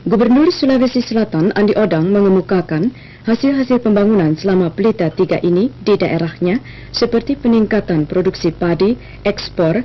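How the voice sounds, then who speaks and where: Woman reading old broadcast news. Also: mid-range voice. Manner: measured, even, official delivery. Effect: old archival TV news broadcast sound. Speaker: newsreader. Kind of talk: formal scripted news reading. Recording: dull lo-fi old broadcast tape.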